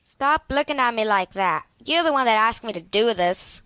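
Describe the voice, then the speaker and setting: A woman's voice: fairly high pitch, expressive, moderate pace, fairly bright tone, clear, resonant tone, dry recording. A woman playing a patient, encouraging young twin sister in an audio drama, colloquial and easygoing. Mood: teasing, patient.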